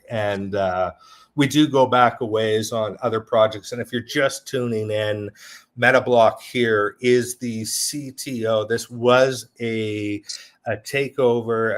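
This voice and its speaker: Man, fairly low voice, casual co-host, friendly and brief. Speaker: co-host of an online audio space. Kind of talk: casual chat.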